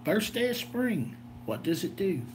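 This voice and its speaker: A man's voice: high-pitched, sing-song, unhurried, noisy background. A slightly tired American man rambling casually through a homemade vlog in a folksy, jokey way. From southern Illinois, United States. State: a little tired. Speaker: gadget video host.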